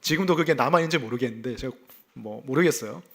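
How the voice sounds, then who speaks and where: A man's voice: medium pitch, fast, gravelly, breathy edge. A male pastor from South Gyeongsang delivering an expository sermon, explaining scripture and telling personal stories, often asking his listeners rhetorical questions. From South Gyeongsang, South Korea. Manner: lively expository preaching with personal anecdotes; asks the congregation rhetorical questions.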